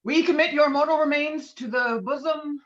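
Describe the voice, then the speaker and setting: A woman's voice: high voice, normal speed, fairly bright tone, muffled recording. A woman playing a hot-headed, pompous middle-aged male veteran and bowler in an online script read. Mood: solemn, pompous. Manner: blustering, pompous, foul-mouthed. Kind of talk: virtual table read of a film script. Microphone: video call.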